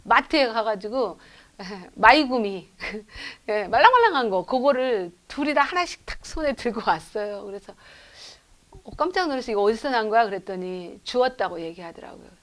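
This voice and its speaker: Middle-aged woman lecturing with lively stories. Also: on the high side, moderate pace. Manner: lively storytelling with rhetorical questions to the audience; acts out children's lines in quotes. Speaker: professor lecturing at a lay school. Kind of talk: church education lecture.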